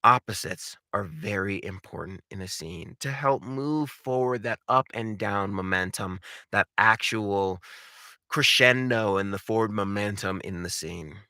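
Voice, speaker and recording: A man gives an instructional talk as a coach, in a fairly low, bright voice with a close, dry sound. He is emphatic and punctuates his points with rhetorical questions. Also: measured pace, no room sound. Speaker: voice acting coach. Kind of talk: instructional talk with acted examples.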